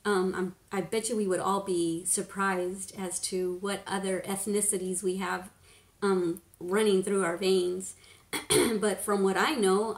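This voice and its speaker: A woman in her fifties chatting casually on a home live stream, rambling, laughing often and sometimes dropping to a hush. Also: mid-range voice. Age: 50s. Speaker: beauty vlogger, live stream host. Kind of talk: casual live-stream chat reading comments. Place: living room at home, indoors. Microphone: webcam at desk distance. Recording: echoey room.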